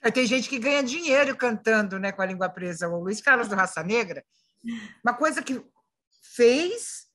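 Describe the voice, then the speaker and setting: A woman's voice: fairly high pitch, expressive, normal speed, fairly bright tone. A Brazilian woman hosting an interview, asking questions in a conversational style. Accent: Brazilian Portuguese. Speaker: interview host.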